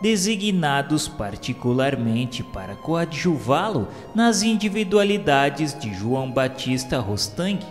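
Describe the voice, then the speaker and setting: Male narrator, Brazilian, formal and literary read for a devotional radio drama, big reverberant sound over a music bed. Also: medium pitch. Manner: solemn, formal, literary delivery. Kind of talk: scripted narration of a religious radio serial. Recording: long hall reverb.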